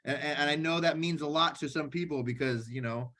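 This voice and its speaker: A man's voice: fairly high pitch, sharp tone. Earnest man co-hosting a video call. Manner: earnest, direct, a little halting. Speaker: co-host. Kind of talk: casual talk on a live video call.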